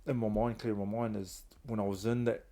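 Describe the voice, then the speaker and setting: An earnest, low-voiced New man, a guest who founded a reintegration trust, tells his personal story candidly and openly, speaking of hard times with emotion. His delivery is flat, fairly quick and warm-toned.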